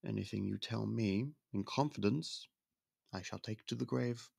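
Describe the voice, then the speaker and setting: An actor playing a young prince in an ASMR roleplay, speaking in polite, formal, soft-spoken courtship talk close to the mic. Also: male voice, on the low side, moderate pace, gravelly, husky, no room sound, full character voice. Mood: courteous.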